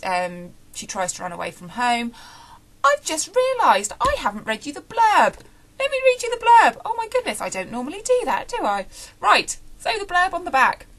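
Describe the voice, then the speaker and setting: A young British woman giving a casual, unscripted book review, chatting and thinking aloud with pauses and self-corrections. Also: medium pitch, fairly bright tone.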